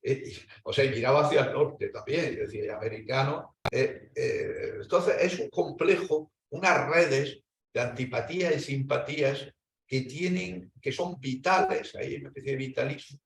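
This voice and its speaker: A Spanish-accented man on an academic panel, rambling through his argument with frequent restarts and sudden rises in pitch. His voice has a gravelly edge. He is picked up from some distance in an echoey hall. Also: normal speed. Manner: discursive, hesitant restarts, animated rises. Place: lecture hall.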